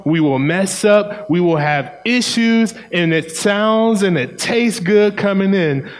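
Man, African American English accent, sermon delivery, higher-pitched voice, unhurried, emphatic, repetitive phrasing, folksy. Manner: emphatic, repeating key phrases for effect; folksy, colloquial. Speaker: preacher. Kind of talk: sermon to a congregation.

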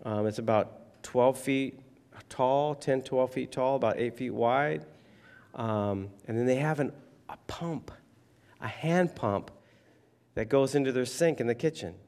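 A man with a hoarse, froggy voice preaches in a relaxed, rambling way, full of ums and asides. His voice is of ordinary pitch for a man. The sound carries a long reverb, as in a church hall. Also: unhurried. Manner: rambling, conversational, many fillers. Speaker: pastor. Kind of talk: casual sermon.

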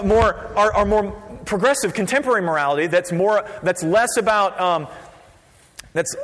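A man preaching a sermon as pastor, conversational and lively, dropping to a quiet voice for emphasis. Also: sits high. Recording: long reverb of a large hall.

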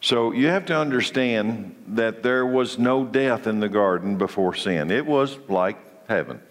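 A man's voice: on the low side, expressive, unhurried, big-room sound. A congested man leading a church Bible study, preaching in a conversational way that often restarts his phrases. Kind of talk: church teaching session.

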